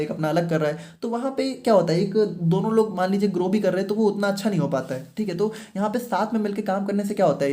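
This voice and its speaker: A man's voice: high voice, mellow. A man giving an explanatory online lecture as a pharmacy teacher, speaking between stretches of Hindi and checking in often with short fillers. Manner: mixes Hindi and read-out English, many fillers like "thik hai".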